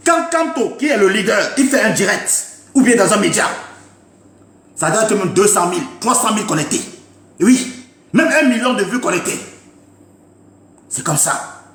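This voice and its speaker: Impassioned high-voiced man ranting. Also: sing-song, normal speed, pauses often, a bit bright, echoey room. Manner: emphatic, repetitive, scolding. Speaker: political commentator. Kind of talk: impassioned live-stream rant.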